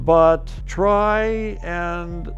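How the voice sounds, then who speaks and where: A man's voice with music in the background. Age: 70s. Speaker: streetwear collector, former art history teacher. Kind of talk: interview answer.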